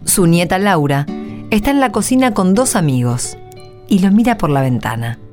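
A woman narrates a radio play in a lowish voice with lively, swinging intonation. Soft music plays behind her scripted storytelling. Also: moderate pace.

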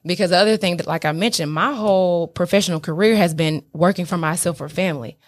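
Low-voiced African American woman, candid and emphatic. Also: fast. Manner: emphatic, frequent swearing, checks in with "right?". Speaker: business owner being interviewed. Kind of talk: candid casual conversation.

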